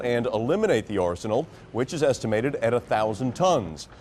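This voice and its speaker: A young adult man anchoring an evening newscast from a studio desk, reading scripted stories in a measured, formal way. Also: mid-range voice, darkish tone. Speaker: news anchor.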